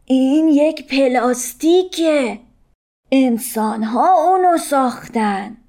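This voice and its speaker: A woman voicing a wise, experienced old turtle who calmly explains. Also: high voice, voice pushed up.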